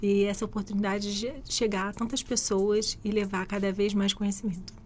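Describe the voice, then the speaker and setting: A woman speaks at a mid pitch as a physician guest on a radio show. She explains things steadily and conversationally, in a radio studio. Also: little pitch movement, fairly quick, slight background noise. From Rio de Janeiro, Brazil. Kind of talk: radio interview answers.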